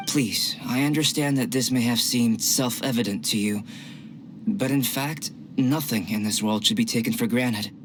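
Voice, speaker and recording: A man voicing a calm young male alchemist, curious and scholarly, who speaks in a measured, soft, philosophical way in game voice acting. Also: mid-range voice, slight background noise, lightly acted. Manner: measured, softly spoken, philosophical. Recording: game audio with clear music behind.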